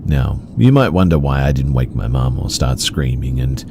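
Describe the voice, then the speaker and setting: A man narrating first-person horror stories in a slow, measured, somber way. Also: extremely low pitch, lively intonation, darkish tone, a little hiss or hum.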